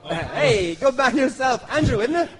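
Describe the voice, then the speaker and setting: A man's voice: extremely high pitch, moderate pace. An Irish man trading boisterous, jokey banter and telling stories in colourful slang. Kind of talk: boisterous live group banter and storytelling. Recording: noisy crowd around the microphone. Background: lively crowd.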